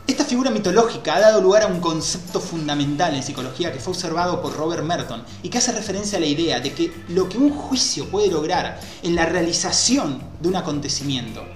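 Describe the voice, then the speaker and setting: Animated man on a headset, echoey room. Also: a little high. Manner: animated, gesturing with both hands. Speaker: host. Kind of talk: explanatory talk on a video call. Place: small room with a white wall, indoors. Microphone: headset mic. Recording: echoey room with faint music.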